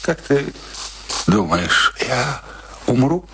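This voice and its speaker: An actor in a radio play playing an ailing, stubborn, embittered old soldier, gruff and scornful, afraid of death. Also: male voice, mid-range voice, sing-song, drawn-out words, noisy background. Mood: weary, fearful. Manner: gruff, scornful, theatrical outbursts.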